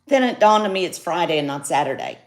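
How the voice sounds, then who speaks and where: A woman's voice: low-pitched, very animated, fast talker. A woman chatting casually on a jewelry livestream, greeting viewers by name. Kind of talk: casual live sales chat. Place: home studio, indoors.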